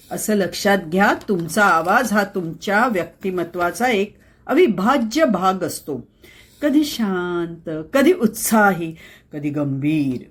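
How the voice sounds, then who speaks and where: A woman's voice: medium pitch, husky. A woman presenting an explainer in a conversational, theatrical way, emphatic and full of rhetorical questions. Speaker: host and presenter. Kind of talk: conversational scripted explainer on voice skills.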